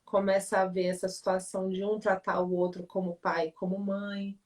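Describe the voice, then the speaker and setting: A woman talks through family relationships in a calm, teacherly way, her voice sitting at an ordinary middle pitch. She keeps checking in with her listener. The mic is set a little way back from her, so she sounds slightly removed. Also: normal speed. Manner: reflective, teacherly, frequent "né?" check-ins. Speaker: author and family-relations speaker in a livestream. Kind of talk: explanatory talk in a live conversation. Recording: voice somewhat distant from the mic.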